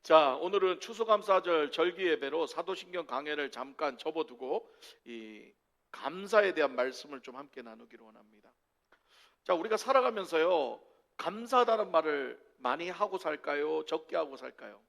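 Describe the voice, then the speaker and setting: A man's voice: fairly high pitch, expressive, moderate pace, creaky, a bit bright. A man from Korea preaching a sermon as pastor, asking rhetorical questions and mixing humor into his preaching.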